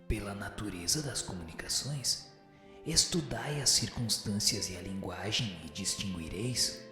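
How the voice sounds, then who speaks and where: A man voicing a wise, patient spirit teacher in a radio drama, answering in a formal, didactic, measured way. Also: fairly low pitch, sharp tone. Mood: solemn, instructive. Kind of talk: scripted radio drama reading of a spiritual text. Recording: very echoey hall-like reverb with music behind.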